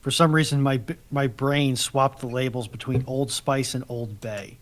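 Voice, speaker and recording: A man's voice: mid-range voice, steady tone, moderate pace. A man co-hosting a casual live chat and reading out audience questions, with slight noise on the recording.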